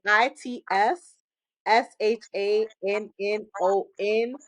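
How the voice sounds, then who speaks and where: Animated woman sharing faith testimony. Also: medium pitch, takes it slowly, dry recording. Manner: animated, preachy, laughing, emphatic exhortations. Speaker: podcast guest. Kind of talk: casual testimony-style faith talk.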